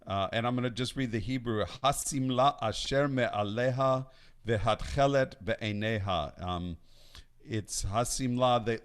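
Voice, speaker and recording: Brief: male song leader, low voice, talks haltingly, restarts a lot, casual intro before singing. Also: clean tone. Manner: halting, searching for words with many restarts. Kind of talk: casual spoken introduction before singing at a live-streamed study night. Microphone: home setup singing over recorded accompaniment.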